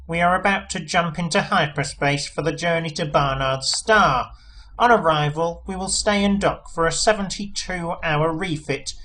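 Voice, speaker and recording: A man's voice: fairly high pitch, bright, forceful tone, voice pushed up. A man voicing a pompous, menacing alien ship's captain. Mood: threatening. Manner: pompous, threatening. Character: surly, self-pitying alien spaceship captain, menacing and officious. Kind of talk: tannoy announcement in an audiobook.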